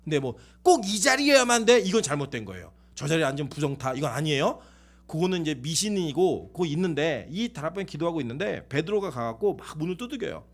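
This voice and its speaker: A man preaching a sermon as pastor, telling stories animatedly, acting out the people in them and putting questions to the congregation before answering them himself. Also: a little high. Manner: animated storytelling, acts out quoted people.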